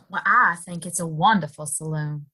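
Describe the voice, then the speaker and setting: A woman playing a loyal, quietly defiant saloon bartender in a Western audio play, speaking in a guarded way. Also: lowish voice, breathy edge. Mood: wary. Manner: measured, guarded, sighing.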